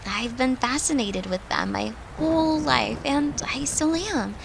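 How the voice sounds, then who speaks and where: A woman playing a gentle, devoted girlfriend who soothes her lover in an intimate comfort roleplay, speaking tenderly and reassuringly in a soft, hushed voice. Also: high voice, a little slow, creaky, a little hiss or hum, rough recording. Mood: fond, reassuring.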